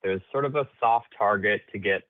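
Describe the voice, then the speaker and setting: A man's voice: on the low side, fairly quick, no echo. A man asking questions as an analyst in a conversational way over a muffled phone line. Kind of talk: earnings call question, conversational.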